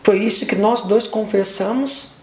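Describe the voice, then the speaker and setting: A woman's voice: medium pitch, a little slow, a little mellow, echoey room, slight background noise. A middle-aged woman giving an emotional personal testimony, retelling what everyone said in long runs of dialogue, with restarts and fillers. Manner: retells dialogue with repeated 'aí eu peguei e falei', restarts and fillers.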